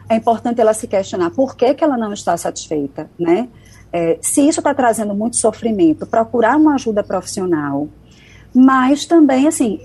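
A woman psychologist explains her view on a radio program in a slightly high, mellow, husky voice. She is reflective and keeps tagging her phrases with "né". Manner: reflective, frequent "né" tags. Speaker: psychologist guest.

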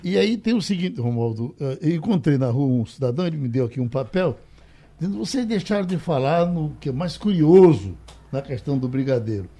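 A man with a Brazilian accent hosting a radio show, talking casually and haltingly as he tells anecdotes and reads a note. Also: fairly high pitch, sing-song, mellow. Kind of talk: casual talk, reading a note aloud.

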